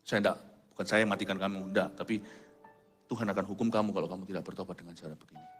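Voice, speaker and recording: A middle-aged male pastor telling a testimony in a sermon, with vivid storytelling and sudden quiet asides. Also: low voice, fairly even intonation, very fast. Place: large church hall. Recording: reverberant church hall, soft music behind.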